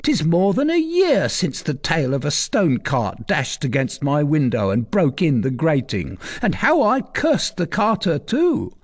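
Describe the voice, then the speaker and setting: A man's voice: sits high, very animated, moderate pace, few pauses, voice pushed up. A man voicing a surly, frightened old woman recluse who stammers and pleads. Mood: forced bravado.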